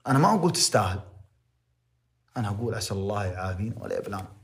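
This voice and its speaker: A man's voice: fairly low pitch, big pitch swings, racing. A young man with a Saudi accent giving impassioned, moralizing livestream commentary, repeating phrases to press his point. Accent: Saudi Arabic.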